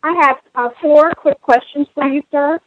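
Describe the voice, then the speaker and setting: A woman's voice: high-pitched, fairly even intonation, moderate pace, highs cut off, slight background noise. A woman calling in to a radio show, asking direct, probing questions. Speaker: caller. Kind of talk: call-in question.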